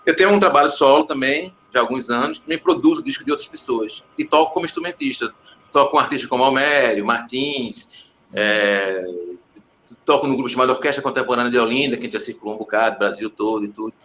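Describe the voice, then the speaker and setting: A man's voice: medium pitch, fast, fairly bright tone. A man with a northeastern Brazilian accent from Pernambuco, a musician guest chatting casually and searching for his words. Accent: Pernambuco northeastern Brazilian Portuguese. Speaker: composer, musician and producer guest. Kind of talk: casual interview chat. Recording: faint background noise.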